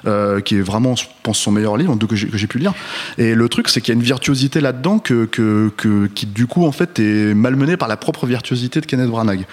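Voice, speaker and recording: A man's voice: mid-range voice, a little fast, darkish tone. A man reviewing a film in casual panel talk, hesitant, with many fillers and restarts as he builds his points.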